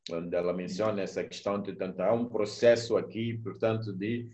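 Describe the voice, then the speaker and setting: A man moderating a live online discussion, agreeing with the guest and pausing as he restarts his phrases. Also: lowish voice, little pitch movement, a little mellow. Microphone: video call mic.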